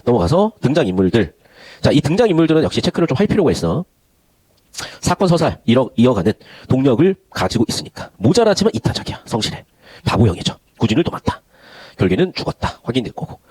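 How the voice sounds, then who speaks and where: A man's voice: medium pitch, big pitch swings, fast talker, darkish tone. A man teaching Korean literature in an online lecture. He talks in a chatty way and moves between polite and casual speech. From Gyeongsang region of Korea.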